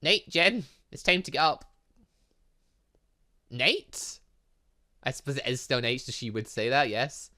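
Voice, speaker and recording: A man's voice: mid-range voice, expressive, a little slow, pauses often, bright, forceful tone. A man hosting a gaming channel, giving let's play commentary on a visual novel with dramatic, exclaiming reactions.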